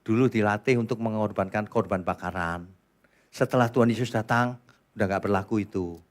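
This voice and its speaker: A middle-aged Indonesian man preaching a sermon as pastor, animated, jumping between loud scolding outbursts and quiet asides full of rhetorical questions. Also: mid-range voice.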